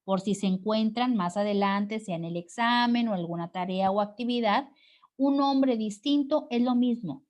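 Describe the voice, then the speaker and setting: A woman's voice: medium pitch, normal speed, a little mellow. A Mexican woman teaching a class, explaining step by step and often checking with her students. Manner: explanatory, frequent check-ins with "¿ok?" and "¿sí?". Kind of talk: recorded online class lecture.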